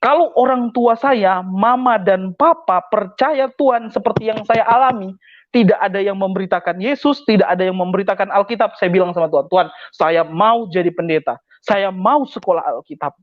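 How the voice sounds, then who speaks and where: A man's voice: high-pitched, normal speed, dry recording, dull audio. A man giving an emotional personal testimony of his conversion, repeating phrases for emphasis. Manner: emotional, repetitive, emphatic storytelling.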